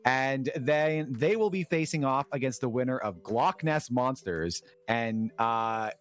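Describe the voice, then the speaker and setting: A man casting an esports tournament in a relaxed, chatty way, full of fillers. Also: mid-range voice, a little slow. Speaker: esports caster.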